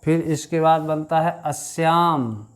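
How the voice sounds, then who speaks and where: A man teaching a grammar lesson, reciting word forms in a slow chant and talking to his students as children. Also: a little high. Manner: addresses students as children, frequent "thik".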